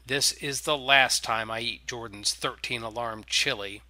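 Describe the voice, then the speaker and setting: A man's voice: medium pitch, unhurried, sharp tone, dry recording. A man voicing a wry, grudging man in a storybook reading, speaking sardonically. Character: wry, grudging man dragged along by a vampire.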